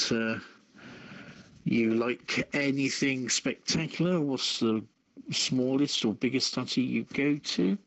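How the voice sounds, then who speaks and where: A man hosting an unscripted call-in show, speaking in a halting, hesitant way. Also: medium pitch, fairly bright tone, rough recording. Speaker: radio show host.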